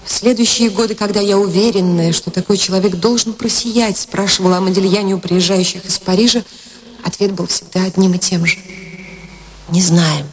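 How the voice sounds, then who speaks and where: A woman's voice: medium pitch, fairly even intonation, fairly quick, a little hiss or hum, natural voice. A woman playing a proud, ironic Russian poetess in a radio drama. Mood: reflective. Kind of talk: radio drama acting with reflective reminiscence.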